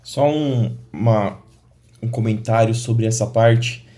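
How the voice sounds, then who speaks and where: A man with a Brazilian Portuguese accent giving informal commentary on a Bible passage, pausing and restarting his phrases. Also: lowish voice, dark tone. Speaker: church commentator.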